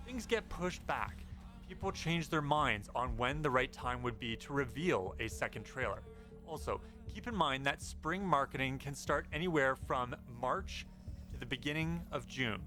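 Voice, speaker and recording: Background music runs under a gaming news YouTuber's informal commentary as he narrates his footage in a slightly high voice with a sharp tone.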